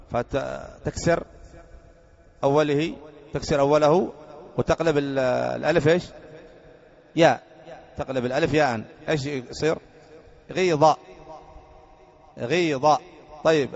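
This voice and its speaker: A sheikh teaching Arabic grammar quizzes his class with repeated questions, speaking in a fairly high-pitched voice with vocal fry. The recording is muffled and echoes through a reverberant hall.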